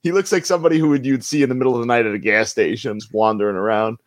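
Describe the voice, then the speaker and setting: A man's voice: medium pitch, steady tone, rapid-fire, no echo. A man co-hosting a podcast, making wry, dry asides in casual talk. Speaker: podcast co-host.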